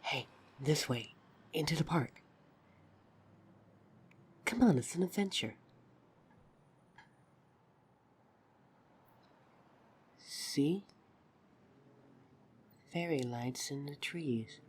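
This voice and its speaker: A woman's voice: deep voice, animated, a little hiss or hum. A woman playing a shy, flustered, affectionate date in an intimate, hesitant romantic ASMR roleplay. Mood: warm, enchanted. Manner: awkward, hesitant, halting delivery. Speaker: audio roleplay voice actor.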